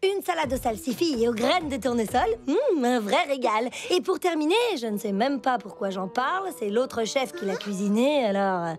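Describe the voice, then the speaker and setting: A woman's voice: a little high, expressive, moderate pace, few pauses, soft background music, close to an everyday voice. A woman voicing a boastful, competitive young cook in a French cartoon, with an offhand, haughty manner. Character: snippy, boastful young female cook, competitive twin sister.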